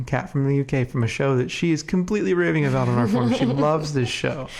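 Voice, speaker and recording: A man co-hosting a podcast in a relaxed, chatty way, sounding congested and sniffly from a cold and leaning on fillers. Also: mid-range voice, fast, vocal fry. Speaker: podcast co-host. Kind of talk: casual podcast chat.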